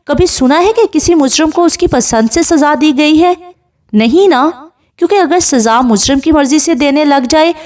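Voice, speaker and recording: A woman's voice: sits high, a little mellow, voice pushed up, natural voice. A woman playing a bitter, tearful young woman. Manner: tearful, accusing, raised voice. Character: young woman, sick in a hospital bed, bitter and unforgiving.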